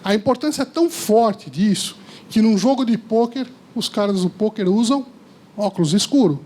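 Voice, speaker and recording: A man giving a lively seminar talk to a live audience, often asking the listeners questions. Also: sits high, normal speed. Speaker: speaker at a seminar. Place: lecture hall with audience.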